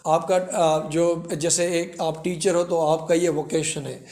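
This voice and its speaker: A male teacher explaining English word pairs with everyday examples, pausing and restarting now and then. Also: on the high side, flat delivery, a little mellow. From Pakistan. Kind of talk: classroom vocabulary lesson.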